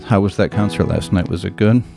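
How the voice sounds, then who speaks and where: A man's voice: low voice, brisk, vocal fry, music in the background. A man hosting his own podcast, introducing a guest and chatting in an easygoing, friendly way. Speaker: podcast host. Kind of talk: casual interview and spoken intro.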